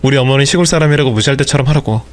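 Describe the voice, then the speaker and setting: A man's voice: mid-range voice, racing, lightly acted. A man voicing an angry husband who speaks harshly and accusingly to his wife.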